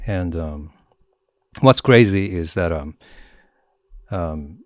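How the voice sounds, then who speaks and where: A middle-aged Japanese man with a Japanese accent, a guest author chatting in an interview, animated and laughing often as he demonstrates voices. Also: low voice, drawn-out words, dry recording, clean studio sound. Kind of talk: casual interview talk.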